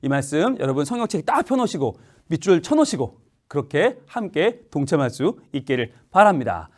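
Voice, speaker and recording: A man's voice: a little high, fairly quick. A male pastor giving a playful children's sermon, asking the children lots of questions. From Korea. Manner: playful, animated storytelling with questions to the audience.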